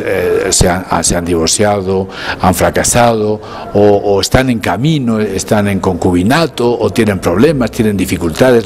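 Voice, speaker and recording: A man's voice: on the low side, a little mellow. A man in his fifties, a priest, giving an earnest, emphatic spoken summary of a talk into a handheld recorder, sometimes restarting his phrases. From Bolivia. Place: indoors, before a painted mural. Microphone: handheld recorder held close.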